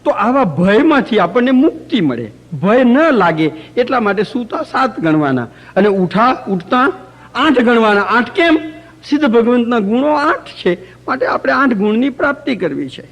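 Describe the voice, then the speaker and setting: A man's voice: very high-pitched, very animated, moderate pace, fairly bright tone. A man teaching a religious workshop to a live group, telling anecdotes with light humor and chanting example phrases aloud to show how they sound. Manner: storytelling, demonstrates chanting aloud. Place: community center hall.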